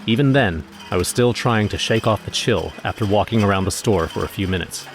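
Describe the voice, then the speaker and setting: A low-pitched actor as a male everyman tells a first-person horror tale. His delivery is wry and measured with an uneasy edge, over a faint music bed. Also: natural voice. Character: wry, nervous everyman narrator recounting a snowstorm errand.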